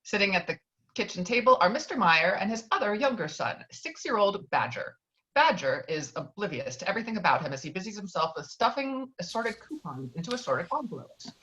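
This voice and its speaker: A woman's voice: medium pitch, very animated, brisk, sharp tone, muffled recording. A woman reading screenplay stage directions as the narrator of a table read.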